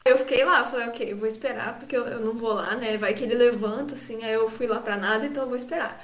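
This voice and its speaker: A young woman with a Brazilian Portuguese accent, co-hosting a podcast and telling a story in an animated way that acts out the voices of others. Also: a little high, quick pace, echoey room. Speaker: podcast co-host. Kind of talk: casual storytelling chat.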